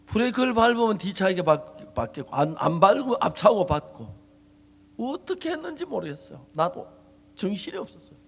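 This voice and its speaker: A middle-aged male pastor preaching a sermon, telling a story in an animated way and acting out a quarrel in different voices. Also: sits high, fairly quick, creaky, husky. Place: church hall. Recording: long hall reverb.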